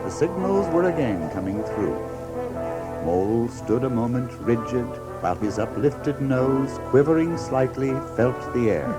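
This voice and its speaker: A man acting as a measured, gently dramatic narrator of a storybook audio drama, with a literary, expressive delivery. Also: medium pitch, poor audio. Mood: measured, atmospheric. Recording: clear music behind the voice.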